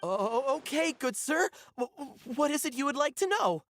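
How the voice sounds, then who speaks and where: A man voicing a zealous, gossipy desert villager with an earnest, excitable manner in a video game. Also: very high-pitched, moderate pace, slight background noise, heavily acted. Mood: nervous, fearful. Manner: earnest, excitable, stammering when cornered.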